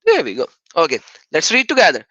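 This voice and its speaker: A man's voice: a little high, huge pitch swings, fast talker, pushed and bright, no room sound, dull audio. Man, native Urdu speaker, livestream debate host, argumentative, repeats himself, dry close sound. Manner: combative, repeats his point insistently. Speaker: livestream host reading viewer donations.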